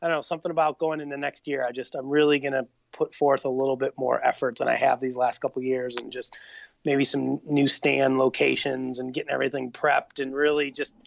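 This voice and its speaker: Late-30s guy, gravelly voice, rambling casual podcast chat, dry slightly muffled audio. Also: medium pitch, flat delivery, fairly quick, no room sound. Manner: easygoing, rambling with frequent fillers.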